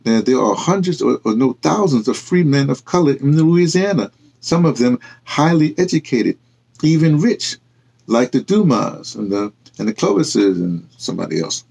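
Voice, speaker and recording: A man reading aloud and voicing a stern, blunt man lecturing his friend, emphatic and halting. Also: medium pitch, expressive, gravelly, a little mellow, slightly rough, voice pushed up. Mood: scolding.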